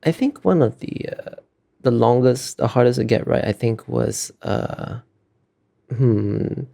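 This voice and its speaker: A man's voice: mid-range voice, expressive, slow pace, creaky, warm tone. A man giving earnest, hesitant interview answers as an illustrator, often searching for his words.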